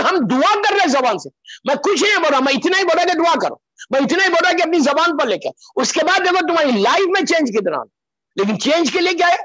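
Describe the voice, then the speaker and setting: Impassioned high-voiced male preacher. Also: fairly bright tone, slightly rough, no echo, poor audio. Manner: repeats phrases for emphasis; mixes in English phrases. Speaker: Shia preacher. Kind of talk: Muharram majlis sermon. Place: religious gathering, broadcast live.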